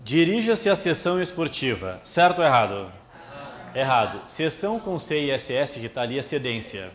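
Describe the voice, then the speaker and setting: A man in a live exam-prep class talks straight to his viewers, checking answers and cheering them on. His voice sits at an ordinary, middle pitch. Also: sing-song, normal speed. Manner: friendly, addresses the audience as "pessoal". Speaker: teacher.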